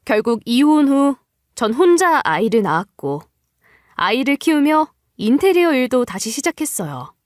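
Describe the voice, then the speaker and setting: A woman's voice: sits high, sing-song, normal speed, no echo, clean studio sound. A woman reading a scripted first-person story as a dramatic narrator.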